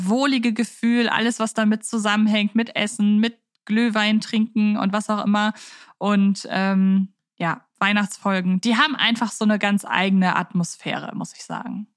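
An enthusiastic woman co-hosts a casual fan podcast in pronunciation. Her voice sits at a medium pitch and she talks in a chatty, informal flow. The sound is dry, with hardly any room around it. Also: dry recording. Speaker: podcast co-host.

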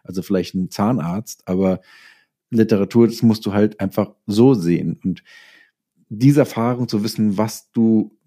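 Low-voiced, mellow man chatting casually. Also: moderate pace. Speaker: interview guest, writer. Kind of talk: casual interview chat.

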